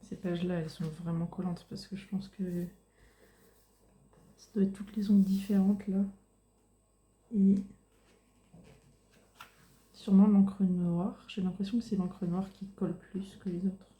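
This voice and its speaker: Young woman, ASMR creator. Very dark, soft tone, flat delivery, casual and hesitant, roomy sound. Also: mid-range voice, a little slow, long pauses.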